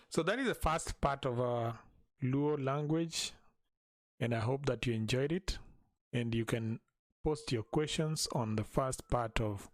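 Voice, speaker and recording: A man teaching a language in a live stream, patiently repeating each phrase slowly for learners. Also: medium pitch, no room sound, studio quality.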